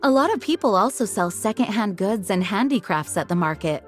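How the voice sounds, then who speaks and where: Woman doing a calm formal lady knight, explaining things slow and even, light music under it. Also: mid-range voice, natural voice. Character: composed adult woman knight officer, formal and measured. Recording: game audio with faint music.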